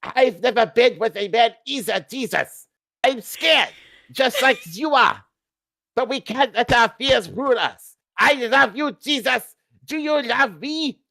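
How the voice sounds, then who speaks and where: A man's voice: extremely high pitch, lively intonation, measured pace, creaky, bright, forceful tone, no room sound, voice pushed up, exaggerated voice. A lovestruck dictator acted out by a man pleads in a raised, strained voice, earnest and melodramatic in a comic storybook reading. The recording is dry. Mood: pleading, scared.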